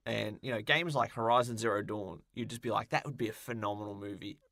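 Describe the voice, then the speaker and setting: A man's voice: lowish voice, fast talker, fairly bright tone, no room sound, studio quality. A man co-hosting a podcast, chatting casually with wry, joking commentary. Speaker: podcast co-host. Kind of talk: casual podcast chat about games and film.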